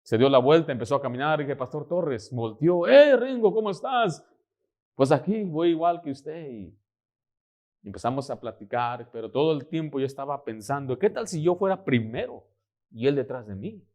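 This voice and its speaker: A man preaching a sermon, telling a personal story and acting out the dialogue with lively energy. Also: on the high side, normal speed.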